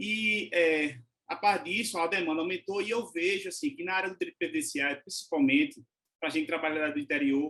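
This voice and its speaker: Bright and sharp in tone, a man with a high pitch and a Pernambuco accent speaks at a fairly quick pace with lively intonation. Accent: Pernambuco accent, noticeable. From Recife, Pernambuco, Brazil. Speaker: court officer, course participant. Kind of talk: self-introduction in online class.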